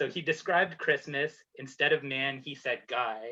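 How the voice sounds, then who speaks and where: A man with a Canadian accent talks at a fairly slow pace. His fairly high voice has a bright, sharp tone. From northern Ontario, Canada. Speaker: English teacher. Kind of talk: online class.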